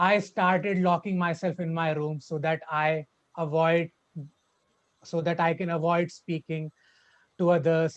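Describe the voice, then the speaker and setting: A man's high-pitched voice with monotone, flat intonation. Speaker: toastmasters club speaker. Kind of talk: prepared speech. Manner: halting, with repetitions.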